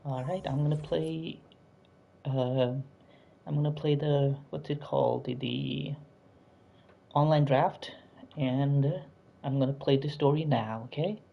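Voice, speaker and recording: A man's voice: on the high side, steady tone, takes it slowly, creaky, long pauses, narrow, tinny audio. A man hosting a casual live stream with a sore throat, chatty and pleading with viewers to like and subscribe, with lots of fillers.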